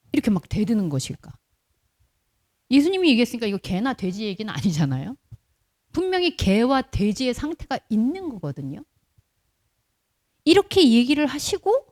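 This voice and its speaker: Animated woman preaching with mellow tone. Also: a little high. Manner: conversational preaching with rhetorical questions to the congregation. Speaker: pastor. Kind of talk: sermon. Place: church.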